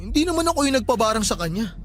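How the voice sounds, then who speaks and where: An actor playing a nervous, excitable young man at a wake, in a radio drama. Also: very high voice, rapid-fire, faint music behind, heavily acted. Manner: jumpy, excitable.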